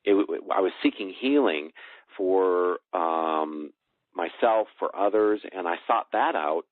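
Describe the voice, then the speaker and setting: Low-voiced man on a phone line. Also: animated, slow, no room sound. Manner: hesitant, searching for words, repeats phrases for emphasis. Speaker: guest, personal growth coach and author. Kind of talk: conversational interview on a call. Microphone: telephone. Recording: dry, band-limited phone call.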